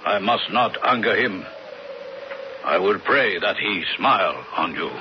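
A man's voice: low voice, animated, measured pace. A man playing a solemn, reverent tribal guide who speaks in terse, formal phrases, in a radio drama. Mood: solemn, reluctant. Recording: muffled radio broadcast, clear noise.

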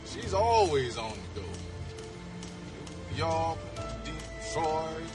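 An older man with a Southern accent playing an old, folksy driver who tells stories in an unhurried drawl. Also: a little high, big pitch swings, heavily acted. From Georgia. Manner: slow, drawling, chuckling. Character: old male driver, gentle, folksy storyteller. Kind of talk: film acting. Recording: film clip with music behind.

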